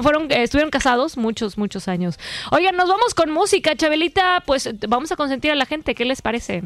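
A high-pitched woman hosting a radio show, talking in a chatty, playful way full of fillers. She has a mostly neutral Mexican Spanish accent with a slight Yucatecan touch. Faint music plays under her voice in the studio. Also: no echo. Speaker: radio host. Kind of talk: casual radio chat.

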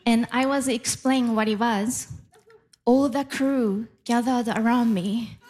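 A woman's voice: on the high side, steady tone, a little mellow. A woman from Japan with a Japanese accent, doing a stand-up comedy set on stage with playful crowd work. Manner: slow, deliberate joke delivery with playful crowd work. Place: live comedy venue with audience.

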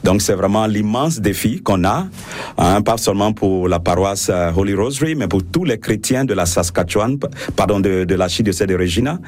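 Man, priest, very deep voice, halting speech full of fillers, radio interview. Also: expressive, darkish tone. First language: French. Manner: hesitant, many fillers and restarts.

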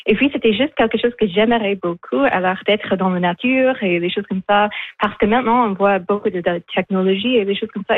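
A woman's voice: medium pitch, no room sound. A woman in her twenties, an educator at a botanical garden, answering interview questions earnestly with frequent hesitant restarts. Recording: tinny phone line.

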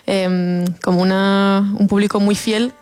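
A woman in her twenties from the Basque Country, a native Basque speaker, chatting about her music in a relaxed, somewhat hesitant way. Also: medium pitch, unhurried, clean tone. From Basque Country, Spain. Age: 20s. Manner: relaxed, hesitant, laughs softly. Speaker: singer, interview guest. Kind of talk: casual interview.

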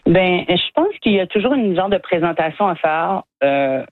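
A woman's voice: fairly low pitch, animated, normal speed, no room sound. A woman comedian with an Acadian French accent, chatting as a guest in a radio interview, laughing easily and restarting her words. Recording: tinny phone line, dry.

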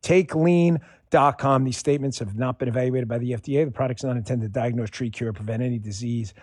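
A man's voice: medium pitch, brisk, a little mellow, no echo, studio quality. A man as a radio host giving a casual, persuasive sponsor endorsement. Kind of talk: conversational sponsor read.

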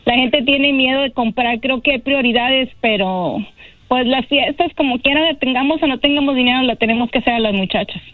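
A chatty woman, talking about her business as a radio guest. Her voice sits high, and it comes through a dull, dry phone line with no room sound around it. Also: brisk, no echo. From Mexico. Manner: chatty, laughs easily. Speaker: guest, bridal shop owner.

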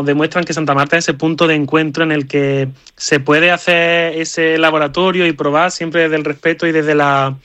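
A man's voice: fairly high pitch, fairly bright tone, dry recording. A man, a band member giving enthusiastic, rambling answers in a radio interview.

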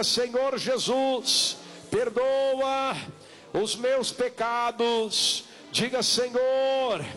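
Male Brazilian evangelical pastor, high-pitched voice, insistent and repetitive altar-call delivery with drawn-out words. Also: a bit bright. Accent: Brazilian Portuguese.

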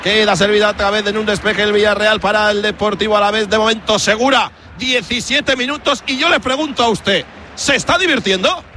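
A man's voice: high-pitched, brisk, sharp tone, a little hiss or hum. A man commentating football live on the radio in a playful, joking way. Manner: playful, jokey.

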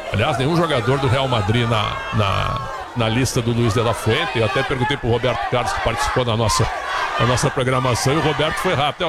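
A Brazilian man hosting live sports radio, calling out football players as they walk past outside. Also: medium pitch. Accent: Brazilian Portuguese. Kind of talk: live radio football pre-game commentary. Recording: loud crowd behind.

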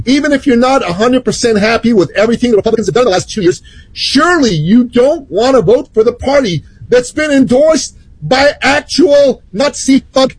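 A woman's voice: fairly high pitch, darkish tone, slightly rough, no room sound, low-quality recording. A woman from Iran, a guest commentator making emphatic, indignant political points. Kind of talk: political talk.

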